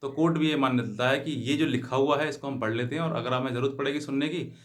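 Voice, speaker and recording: A legal advice host talks fast in a mid-range voice, giving viewers an explanatory rundown. He keeps rewording what he says and explains English terms in Hindi.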